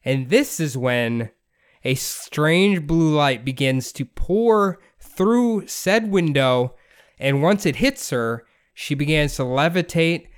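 Smooth-voiced laid-back male podcast host. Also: fairly high pitch, lively intonation, slow pace. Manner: laid-back, laughs often, swears casually. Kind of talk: casual storytelling chat.

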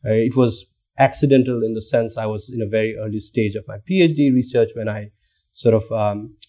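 Casting: male academic guest from Nepal, lowish warm voice, halting and reflective. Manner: thoughtful, hesitant with many fillers and restarts. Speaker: guest lecturer and researcher. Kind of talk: academic conversation.

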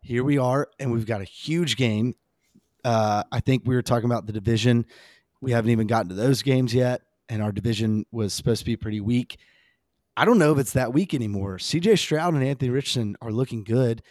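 A man with a slightly hoarse voice hosting a casual, rambling, emphatic fan talk on a sports podcast. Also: mid-range voice, brisk, a little mellow, dry recording, studio quality.

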